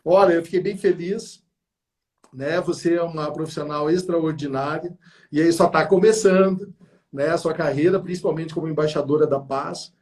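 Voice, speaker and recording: Casting: high-pitched man, effusive interview host who acts out anecdotes. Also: steady tone, moderate pace, darkish tone. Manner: effusive, acts out quoted voices with big pitch jumps. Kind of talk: enthusiastic interview chat.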